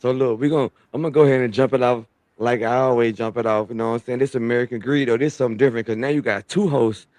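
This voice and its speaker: A man's voice: mid-range voice, steady tone, fast, a little mellow, no room sound. A man hosting a podcast, laid-back and joking in street slang. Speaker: podcast host. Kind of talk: casual podcast chat.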